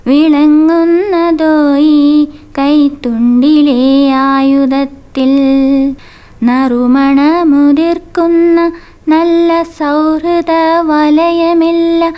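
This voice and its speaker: Woman chanting a poem real slow, high mellow voice, words drawn out. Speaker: poetry reciter.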